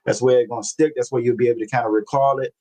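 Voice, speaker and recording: A man teaching a religious language class over a video call, reading scripture slowly and often repeating himself. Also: mid-range voice, fairly even intonation, warm tone. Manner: repeats phrases, constant "you know what I'm saying"; slow, deliberate scripture reading.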